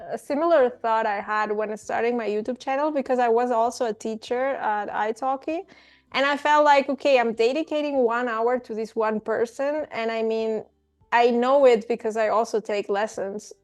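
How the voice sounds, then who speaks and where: A woman hosting an interview about language learning, friendly and animated, chatting casually with her guest. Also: fairly high pitch, moderate pace, soft background music. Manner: friendly, animated, laughs easily. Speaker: host.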